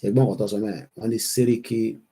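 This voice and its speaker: A man's voice: fairly low pitch, fairly even intonation, fast, mellow, breathy edge. A Nigerian man with a Yoruba accent hosts a political livestream, switching between English and Yoruba as he reads out viewer comments. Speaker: host of an online political livestream.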